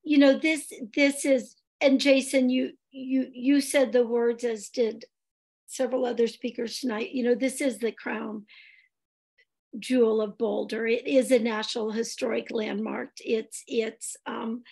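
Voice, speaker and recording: A woman's voice: fairly high pitch, steady tone, unhurried, vocal fry, darkish tone. A woman in her sixties who is losing her voice, talking earnestly through a public meeting on a video call from home, with many fillers and restarts. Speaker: board chair. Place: home room, indoors.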